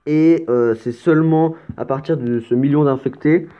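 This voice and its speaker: A man's voice: fairly high pitch, normal speed. A man commenting on his strategy game as a let's play host, explaining casually with stammers and the odd curse. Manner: chatty and explanatory, with stammers and mild swearing. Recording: tinny, phone-like lo-fi sound.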